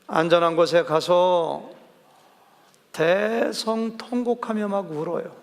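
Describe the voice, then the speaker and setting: A man's voice: high-pitched, steady tone, slow pace, gravelly. A male pastor preaching a sermon in a conversational way, drawing answers from the congregation and acting out quoted dialogue. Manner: conversational, asks the congregation questions; acts out quoted dialogue vividly. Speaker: senior pastor. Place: church sanctuary. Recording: church sanctuary with long reverb.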